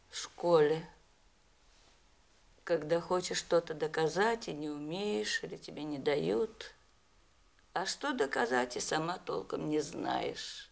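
A bitter grown daughter of a famous family in an audio play. She speaks slowly and theatrically, with a fry in her voice. Her sarcasm and defiance move between hushed whispers and outcries. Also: on the low side, exaggerated voice. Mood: hurt, defiant. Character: bitter, rebellious, wounded daughter of a famous man. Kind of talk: Soviet audio stage drama acting.

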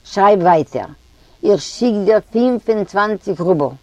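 A woman's voice: low voice, dry recording. A woman doing a brash young thief dictating boastfully. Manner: blustering, dictating slowly and loudly. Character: brash young male thief, proud and hot-tempered. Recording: dull lo-fi audio.

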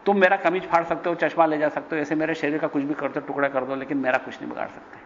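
A man giving a spiritual lecture, telling stories and acting out the quoted speech with sudden pitch jumps. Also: flat delivery, fast talker. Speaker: spiritual teacher. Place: ashram hall. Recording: dull lo-fi recording with long reverb and faint noise.

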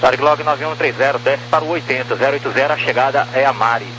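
Male air traffic controller, brisk and terse, clipped radio phraseology, clear hum and static. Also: mid-range voice, steady tone. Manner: terse, procedural. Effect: aviation radio. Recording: noisy humming aviation radio.

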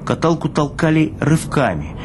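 A man reading literary prose as a narrator, with expressive, deliberate phrasing. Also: on the high side, slight background noise.

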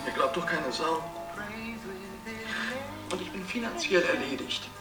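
A man's voice: on the high side, lively intonation, a little slow, far from the mic. A man acting a flamboyant, self-pitying, broke gay man in a radio play, agitated and plaintive. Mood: bitter, agitated. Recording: echoey room, off the mic, music behind.

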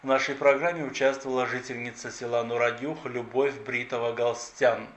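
A man hosting a radio program, asking interview questions and reading the news in a measured, formal way. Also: mid-range voice, fairly even intonation, loud music behind the voice. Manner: measured, formal presenter delivery. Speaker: radio host and newsreader.

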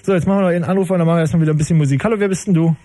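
A man's voice: on the high side, fairly even intonation, racing, warm tone. Dry, teasing male radio host. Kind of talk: late-night call-in radio chat. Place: radio studio.

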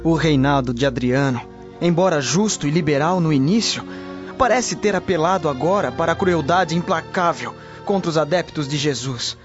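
An actor with a Brazilian accent playing a steadfast, devout early Christian, solemn and formal, in a radio drama. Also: male voice, on the high side, normal speed, lightly acted. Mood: solemn, resolute. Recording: dull lo-fi audio under loud music. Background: music.

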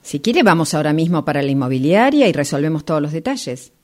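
A woman playing a firm, scolding letting agent in an amateur radio play, brisk and insistent, often repeating herself. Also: low-pitched, big pitch swings. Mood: obliging.

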